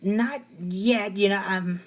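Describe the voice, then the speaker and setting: A man's voice: high voice, slow. A nineteen-year-old man hosting an interview, easygoing and agreeable. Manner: easygoing, agreeable, many fillers and short acknowledgments. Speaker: interviewer, host. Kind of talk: casual interview.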